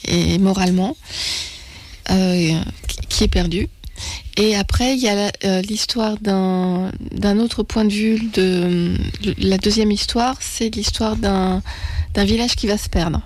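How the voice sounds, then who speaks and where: A woman's voice: medium pitch, slow pace, darkish tone, no echo. A woman reviewing comics in casual radio chat, hesitant, with many restarts and fillers.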